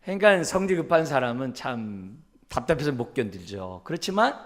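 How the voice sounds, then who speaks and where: A middle-aged man preaches in a church with a middle-pitched voice that swings widely up and down. He is quick-tempered by his own account and acts out scolding parents and a mumbling son. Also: big pitch swings. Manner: calls himself quick-tempered. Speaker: pastor. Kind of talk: sermon.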